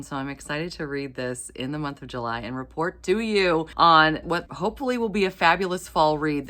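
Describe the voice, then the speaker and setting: A woman's voice: deep voice, fairly bright tone. A woman chatting casually as a book vlogger, gushing and enthusiastic with playful asides. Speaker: book video channel host. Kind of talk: casual vlog chat about romance books.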